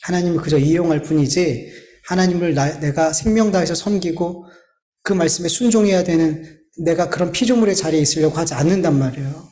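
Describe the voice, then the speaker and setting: A man's voice: a little high, brisk, dark tone. A man preaching a sermon as a pastor, earnest and pleading, often turning to address his congregation directly. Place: church sanctuary. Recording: echoey church hall.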